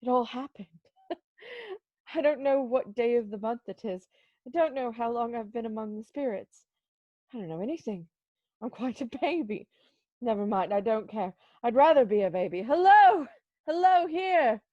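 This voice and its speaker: A woman's voice: a little high, animated, moderate pace, dry recording, lo-fi sound, close to an everyday voice. A woman playing an old male miser, giddily reformed and penitent, in an amateur dramatic reading full of exclamations. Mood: giddy joy. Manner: exclamatory, effusive.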